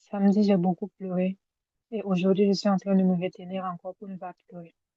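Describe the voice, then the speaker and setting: In a dry, close recording with no echo, a woman with a dark, mellow tone speaks at a medium pitch and moderate pace, her intonation monotone and flat while her loudness swings widely. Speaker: preacher leading a spiritual camp. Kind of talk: sermon.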